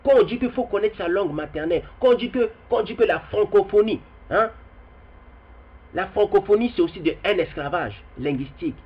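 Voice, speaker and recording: A man's voice: high voice, lively intonation, fairly quick, husky. A young man speaking straight to his viewers in a rambling video commentary, repeating himself as he goes. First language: Kikongo heritage language. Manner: rambling, repeats words, addresses viewers directly. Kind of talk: spoken video commentary with readings. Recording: dull lo-fi recording.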